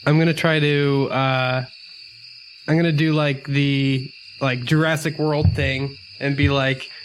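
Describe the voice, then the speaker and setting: A man chatting casually and haltingly as a player in a tabletop game, with faint night ambience behind. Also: mid-range voice, flat delivery, slight background noise, rough recording. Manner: halting, hesitant. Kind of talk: casual chat.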